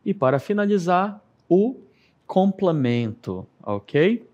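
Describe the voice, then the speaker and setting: A Brazilian man teaches a televised class at an unhurried pace. His voice rises and falls a lot as he stresses each point. He explains things patiently, one step at a time. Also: high-pitched, big pitch swings, darkish tone, lo-fi sound. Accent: Brazilian Portuguese.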